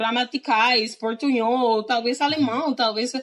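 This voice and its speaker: Speaking fairly slowly in a Spanish accent, a woman shows ordinary pitch variation. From Dominican Republic, Santo Domingo. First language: Spanish (speaking Portuguese). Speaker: former exchange student and language learner. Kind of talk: casual interview.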